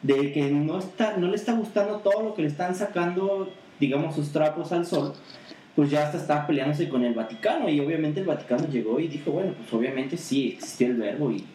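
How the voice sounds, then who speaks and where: A man's voice: a little high, brisk, mellow, reverberant, distant mic, a little hiss or hum, low-quality recording. A man with a Mexican Spanish accent chatting about politics on a podcast, rambling, full of hesitations and restarts. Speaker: podcast co-host. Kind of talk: casual political chat.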